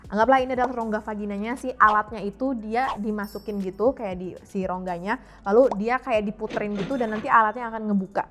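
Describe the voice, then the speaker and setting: A woman's voice: medium pitch, steady tone, fast talker, slight background noise. A young adult woman talks candidly and casually to her viewers, dropping English phrases into her chat. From Indonesia, mixed European and Indonesian family. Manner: frank, chatty, code-mixing English phrases. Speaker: YouTube health and fitness vlogger.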